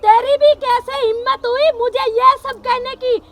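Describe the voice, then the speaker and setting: A woman's voice: very high-pitched, steady tone, measured pace, a bit bright, a little hiss or hum. A woman playing a haughty older mother-in-law, the village headwoman, who scolds and boasts. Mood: domineering.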